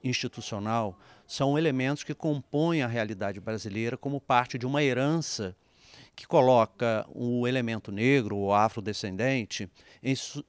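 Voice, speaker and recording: A man's voice: medium pitch, no room sound. An older man, a sociologist, explaining in a lecturing tone with frequent hesitations, speaking into a handheld mic in an auditorium. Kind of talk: interview answer. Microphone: handheld interviewer mic.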